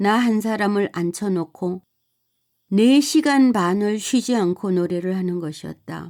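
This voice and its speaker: On a very clean recording with a silent background, a woman with a dark, mellow tone talks at a very slow pace with ordinary pitch variation. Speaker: author and translator of German literature. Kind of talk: reading aloud.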